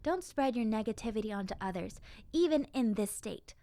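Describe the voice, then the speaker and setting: A kind young zombie girl, acted by a woman in an audio roleplay. Her voice sits fairly high, and she talks directly to the listener in a soft-hearted, conversational way. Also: animated, a little fast. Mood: earnest, wistful.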